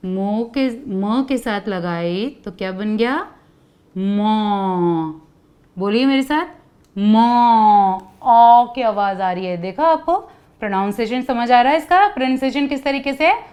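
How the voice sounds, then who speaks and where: Woman teacher, slow unhurried delivery, children's lesson, drawn-out sounds, lots of questions. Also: a little high, a little mellow. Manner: calls out sounds for children to repeat, stretched slowly; asks many questions.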